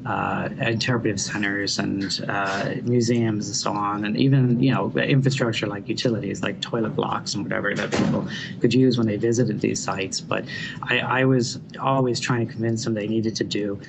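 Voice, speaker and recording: Dublin-accented architect in his forties, low gravelly voice, loose rambling delivery, heavy noise behind. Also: fairly even intonation, moderate pace. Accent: Irish, Dublin. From Ireland. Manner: reflective, rambling with many fillers and restarts. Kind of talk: casual interview. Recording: loud background noise.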